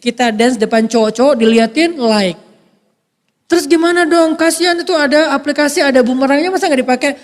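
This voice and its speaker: A man giving a humorous sermon, acting out little scenes with a soft voice that people often take for a woman's. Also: extremely high pitch, a little fast, long reverb tail. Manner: playful, acts out little scenes. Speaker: preacher.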